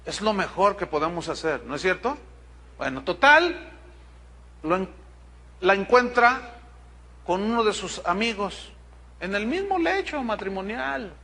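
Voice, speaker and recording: A middle-aged man with a Mexican accent preaching a sermon, telling a congregation story in a direct, animated way with humorous asides. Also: high-pitched, unhurried, long pauses. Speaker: pastor.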